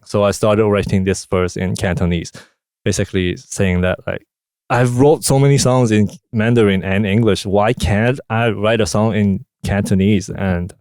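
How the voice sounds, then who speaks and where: A young man from Hong Kong, a musician chatting in a studio interview, talking in a relaxed, halting way with many fillers. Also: lowish voice, dry recording. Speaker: musician guest. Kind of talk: casual interview chat.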